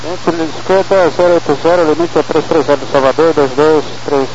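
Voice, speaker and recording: A man's voice: fairly high pitch, steady tone, normal speed, darkish tone. A male airline pilot reading back headings and altitudes in clipped phraseology, heard over a two-way aviation radio. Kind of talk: clipped air traffic radio readback. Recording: muffled radio with faint static.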